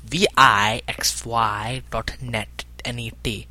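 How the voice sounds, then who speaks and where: A man's voice: mid-range voice, fairly even intonation, slow pace, bright, forceful tone. A man co-hosting a comedic podcast, playful and agreeable, often repeating his words. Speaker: podcast co-host.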